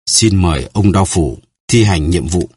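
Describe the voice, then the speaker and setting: A man voicing a cold, stern nobleman swordsman who speaks in a slow, measured way. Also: deep voice, animated, a little mellow, slight background noise.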